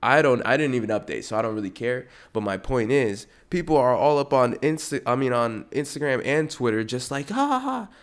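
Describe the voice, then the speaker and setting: A man's voice: medium pitch, brisk, few pauses, clean tone. Young guy riffing alone on his podcast, swears a lot, keeps cutting himself off. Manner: profane, rambling, self-interrupting. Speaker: podcast host. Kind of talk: solo comedic podcast rant.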